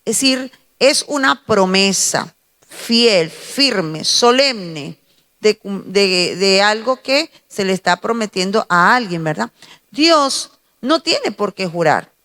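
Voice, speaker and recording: A woman's voice: medium pitch, animated, fairly bright tone. Woman preaching in a reverberant hall. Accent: Spanish (Spain). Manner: slow, emphatic preaching with pauses and repetition. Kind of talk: morning devotional sermon.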